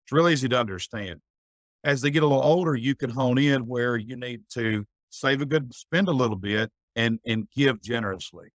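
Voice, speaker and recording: A man's voice: medium pitch, normal speed, dry recording. A middle-aged man speaking as a podcast guest, giving earnest, folksy advice in a reflective conversation. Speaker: guest, business owner.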